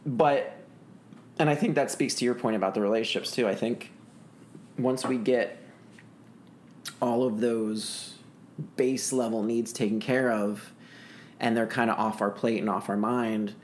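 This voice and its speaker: A man co-hosting a casual podcast chat. He jokes easily and rambles, restarting his sentences as he goes. His pitch sits in the middle range, over a faint background hiss. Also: fairly even intonation, unhurried, long pauses. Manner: joking, rambling, with frequent restarts. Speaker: podcast co-host.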